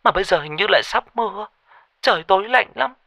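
A man's voice: on the high side, brisk, pushed and bright, no echo, studio quality, voice pushed up. A man voicing a terrified young woman who stammers and pleads over the phone in a ghost story. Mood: frightened. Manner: stammering, panicky, breathless pleading.

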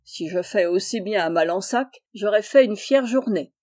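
A woman reading aloud and voicing a brusque, hearty middle-aged farmer, gruff and booming at times. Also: animated, normal speed, darkish tone, lightly acted. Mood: jovial.

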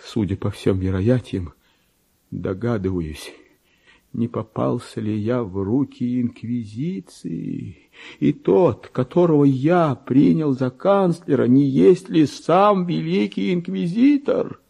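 An actor in a radio play voicing a deluded, tormented clerk who believes he is king, theatrical and volatile, with a husky voice. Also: medium pitch, takes it slowly, exaggerated voice. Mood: indignant, bewildered. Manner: theatrical, volatile, swinging from hushed muttering to anguished outcry. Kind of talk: dramatic radio monologue reading of classic literature.

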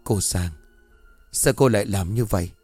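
A man voicing an old Buddhist monk who speaks in a low, grave, admonishing tone. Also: a little mellow, slightly rough, no echo, faint music behind. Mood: stern. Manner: low, slow, solemn admonishing.

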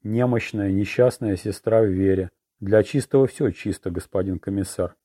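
A man's voice: on the low side, normal speed, mellow, no echo, clean studio sound, close to an everyday voice. A man voicing a smug, sanctimonious preacher who speaks self-righteously in an audiobook. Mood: pious.

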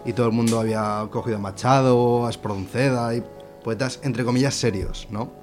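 A man's voice: mid-range voice, fairly even intonation, fairly quick, darkish tone, soft background music. A man with an accent from Spain, casually telling an anecdote as a radio collaborator.

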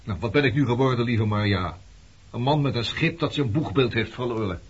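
A man's voice: medium pitch, brisk, slightly rough, natural voice. An actor playing a brooding former resistance man turned skipper, probing and bitter with an old lover in a radio play. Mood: insistent, reproachful. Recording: dull, noisy old radio play recording.

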